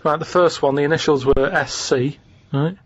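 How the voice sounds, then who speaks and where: A man's voice: on the high side, fairly even intonation, moderate pace, dry recording, dull audio. A man with a Manchester accent setting quiz clues on a radio show, rambling and hesitant, often repeating himself. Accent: English, Manchester. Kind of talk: casual radio banter. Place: radio studio.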